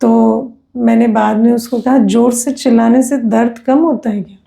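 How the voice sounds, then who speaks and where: A woman gives a spiritual discourse at an unhurried pace and keeps checking in with her listeners through tag questions. Her voice sits fairly high yet sounds mellow, with a heavy gravelly fry. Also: steady tone. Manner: conversational, tag questions, personal anecdotes. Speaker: spiritual teacher.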